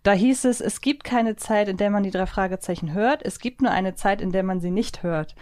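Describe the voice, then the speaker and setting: A woman's voice: medium pitch, fairly quick, a little mellow. A woman hosting a podcast, talking casually and at length in a reflective, conversational way. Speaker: podcast host.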